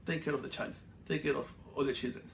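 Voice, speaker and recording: Gravelly Venezuelan man, halting English. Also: medium pitch, steady tone, slight background noise. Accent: Venezuelan Spanish. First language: Spanish. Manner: halting, many fillers and restarts, dry humor; broken English grammar. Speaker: spiritual teacher. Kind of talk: casual teaching monologue.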